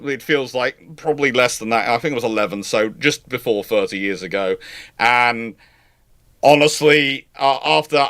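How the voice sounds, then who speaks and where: British man, forceful bright voice, casual stream host, opinionated, rambling, emphatic. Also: medium pitch. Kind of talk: casual live question-and-answer chat.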